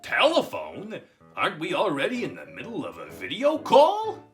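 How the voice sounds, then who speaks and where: A man's voice: fairly high pitch, huge pitch swings, normal speed, soft background music. A man voicing a bored, doubtful mailman puppet in a comedy puppet show, muttering in an unenthusiastic way.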